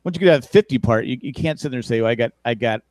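A man's voice: mid-range voice, rapid-fire, darkish tone, no echo. A man in his fifties co-hosting a casual chat, rambling and correcting himself as he talks. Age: 50s. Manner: rambling, self-correcting, wry about aging. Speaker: podcast co-host.

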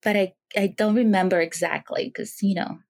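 A woman's voice: medium pitch, a little fast, gravelly. A woman in her thirties from the Dominican Republic, a podcast guest chatting casually and telling stories with fillers and easy laughs. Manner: relaxed storytelling with fillers and laughs. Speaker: podcast guest, quilter and teacher. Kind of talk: casual interview chat.

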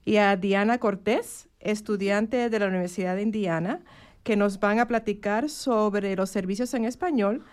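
A woman's voice: mid-range voice, normal speed, darkish tone. A woman hosting a live radio interview in Spanish from a studio booth, friendly and conversational. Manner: friendly, conversational, some restarts. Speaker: radio host. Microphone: studio microphone.

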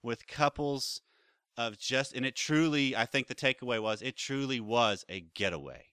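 A man co-hosting a podcast in casual chat, relaxed and giving affirming replies. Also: medium pitch, normal speed, clear, resonant tone, no echo, clean studio sound. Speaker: podcast co-host.

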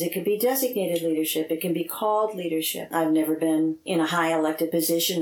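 A woman's voice: on the low side, a little mellow, reverberant, poor audio. A woman in her seventies giving reflective answers in an interview. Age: 70s. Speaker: interviewee, lay church member.

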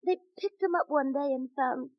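Tearful woman mourning her man, an actress, high voice, muffled old recording, dead dry. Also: moderate pace, dry recording, natural voice. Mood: sorrowful. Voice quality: soft, tearful. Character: sorrowful woman, dead crook's sweetheart. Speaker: grieving girlfriend of a murdered man. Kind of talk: 1940s radio acting.

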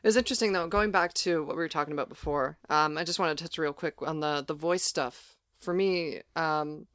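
A woman's voice: low-pitched, a little fast, a bit bright, clear, resonant tone, dry recording, studio quality. A trans woman co-hosting a podcast, explaining things in a practical, step-by-step way. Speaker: podcast co-host. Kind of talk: casual conversation.

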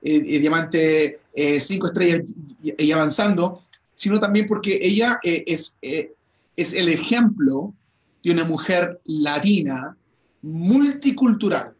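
A man's voice: on the high side, lively intonation, unhurried. A man hosting a motivational interview, enthusiastic and full of stammered restarts. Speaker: host.

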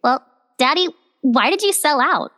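An actress playing an earnest, pleading young daughter in old-time radio comedy style. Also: female voice, sits high, expressive, normal speed, pushed and bright.

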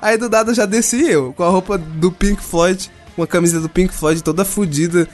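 A man's voice: sits high, normal speed, faint music behind. A young Brazilian man, telling a story in a casual, swearing chat and acting out the other people in it. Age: young adult. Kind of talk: casual chat, animated anecdote with slang and swearing.

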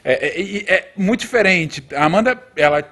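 Young Brazilian man, halting chat. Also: sits high, expressive, sharp tone. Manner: hesitant, many fillers and restarts. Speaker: podcast guest. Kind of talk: casual chat.

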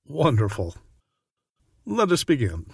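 A man playing a soothing, measured psychiatrist. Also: mid-range voice, wildly swooping pitch, vocal fry, breathy edge, dry recording, clean studio sound, exaggerated voice. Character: calm, patient male psychiatrist. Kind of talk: comic radio play acting.

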